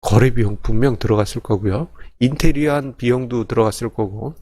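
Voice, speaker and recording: A man's voice: medium pitch, a little fast, a little mellow, slightly rough, no echo. A man explaining personal finance step by step as an instructor, in a conversational, polite way, often correcting himself. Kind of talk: informal spreadsheet tutorial, explaining step by step.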